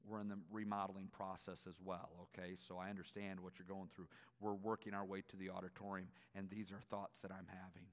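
A man's voice: deep voice, level tone, a little fast, few pauses. A man preaching a church sermon as a guest, with an emphatic delivery. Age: 40s. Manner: emphatic, swinging from quiet asides to loud exclamations. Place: church auditorium. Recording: long echo of a large hall.

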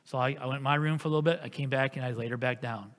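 A man preaching a sermon as pastor, telling a family story in an earnest, animated way. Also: mid-range voice, very fast, long reverb tail.

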